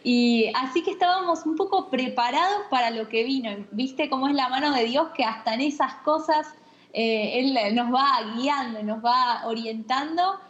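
A woman's voice: high voice, moderate pace, highs cut off. A woman in her twenties with an Argentine accent, a worship singer answering earnestly. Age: 20s. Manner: warm, earnest, faith-filled talk. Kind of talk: interview answers.

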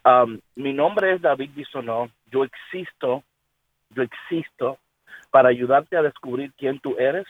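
A man's voice: medium pitch, unhurried, phone-quality sound. A man from the United States, a pastor, talking earnestly in a faith interview and dropping English words into his speech. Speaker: pastor and guest.

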